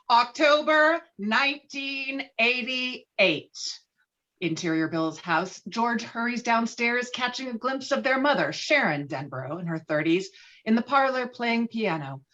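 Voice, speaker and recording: A woman's voice: medium pitch, animated, unhurried, a bit bright. Woman narrator, slightly dull recording. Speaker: narrator reading stage directions. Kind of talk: dramatic scripted narration.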